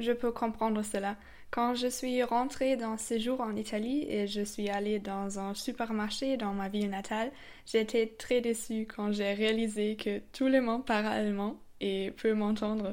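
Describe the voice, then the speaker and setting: At a fairly slow pace, a woman with fairly high pitch talks in a monotone, flat intonation. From Germany. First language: German (speaking French). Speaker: European volunteer, podcast co-host. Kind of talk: scripted podcast narration.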